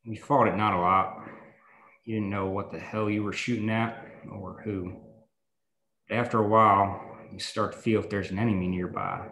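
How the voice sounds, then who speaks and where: A man's voice: fairly low pitch, a bit bright, roomy sound, slight background noise, close to an everyday voice, rough recording. A man reading an easygoing, teasing male sharpshooter and war veteran at a table read.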